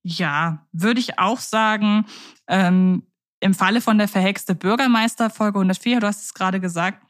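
A woman co-hosts a casual podcast in an easy, conversational tone. Her voice sits in a middle pitch. She talks in a measured way and often stops to rephrase her thoughts mid-sentence. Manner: thoughtful, self-correcting, measured. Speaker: podcast co-host. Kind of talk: casual chat about radio plays.

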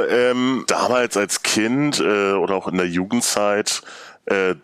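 A man's voice: sits low, a bit bright, no room sound, studio quality. A man chatting casually as a guest on a podcast. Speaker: podcast guest, fan of audio plays. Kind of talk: casual chat.

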